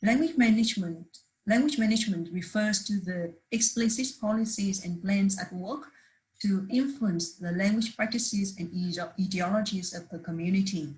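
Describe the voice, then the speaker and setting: Woman, academic presenter, recorded conference talk, steady read from slides, mid-range pitch. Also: moderate pace, rough recording. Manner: reads steadily from prepared slides with occasional restarts. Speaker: academic researcher presenting a paper.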